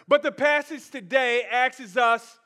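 A man preaching as a pastor, telling stories in deliberate short phrases with pauses for emphasis. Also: very high voice, sharp tone, smooth. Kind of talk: sermon with storytelling.

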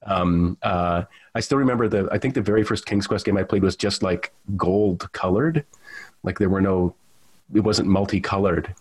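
A man's voice: deep voice, moderate pace, breathy edge. A man hosting an interview podcast, reading a scripted introduction and then chatting casually with many restarts. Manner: friendly, conversational, with many restarts. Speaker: podcast host.

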